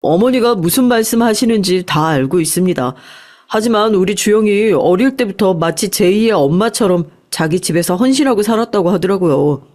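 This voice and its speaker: A woman's voice: mid-range voice, animated, normal speed, a little mellow, lightly acted. A woman voicing an earnest, polite young man in love, in story dialogue. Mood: earnest, respectful.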